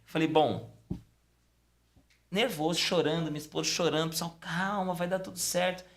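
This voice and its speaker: Animated man telling a story. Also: quick pace, slight background noise. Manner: animated storytelling, acting out dialogue with pitch swings. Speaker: podcast guest, Umbanda priest. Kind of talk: casual storytelling.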